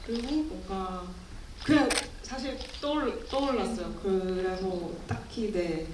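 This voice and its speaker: A woman's voice: mid-range voice, a little slow. Hesitant woman director in echoey cinema. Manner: hesitant, thinks aloud with fillers. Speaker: film director at a screening Q&A. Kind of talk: festival Q&A talk. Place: cinema auditorium at a film festival. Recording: echoey hall from far off, noisy.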